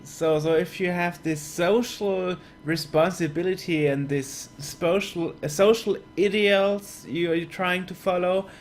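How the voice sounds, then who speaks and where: A man's voice: high-pitched, a little slow, few pauses, a little hiss or hum. A man asking questions as an interviewer in a conversational style.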